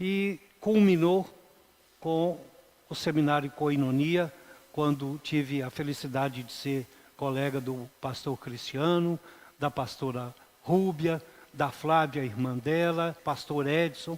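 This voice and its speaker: A man with a fairly high pitch talks at a very slow pace, using ordinary pitch variation and taking long, frequent pauses. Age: 60s. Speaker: pastor. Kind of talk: sermon. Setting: church.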